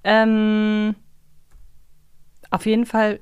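A woman's voice: medium pitch, monotone, drawn-out words, a little mellow, clear, resonant tone, no echo, clean studio sound. A woman with a standard German accent hosting a podcast, discussing and commenting casually. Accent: standard German, no southern dialect. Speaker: podcast host.

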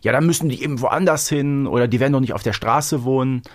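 A man's voice: medium pitch, fast, dry recording. A man co-hosting a podcast, chatting casually and wryly as he reviews a story. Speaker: podcast co-host. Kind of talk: casual review chat about audio dramas.

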